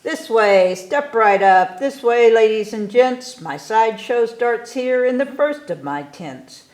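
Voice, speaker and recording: A woman plays a boastful young boy dreaming up a show in a storybook. The delivery is grandiose and unhurried, swinging widely in pitch like a carnival barker, in an echoey room. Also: expressive, a little mellow. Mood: grand, excited. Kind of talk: storybook read-aloud.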